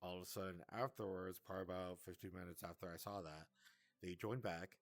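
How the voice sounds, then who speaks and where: A man's voice: deep voice, steady tone, fairly quick, dry recording. A man casually recounting a breakup in a vlog, hesitant and rambling, often stammering and restarting.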